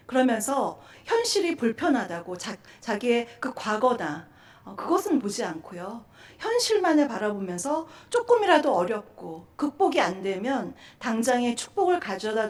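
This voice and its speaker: A woman's voice: a little high, a little mellow. A middle-aged woman pastor giving a sermon at a Friday prayer meeting, earnest, with frequent fillers and short acted-out quotes.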